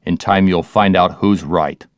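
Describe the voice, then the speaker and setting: An actor playing a grave, megalomaniac corporate villain in a video game, with stilted, deliberate, ominous delivery. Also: male voice, low voice, fairly even intonation, no room sound, studio quality. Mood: calm menace.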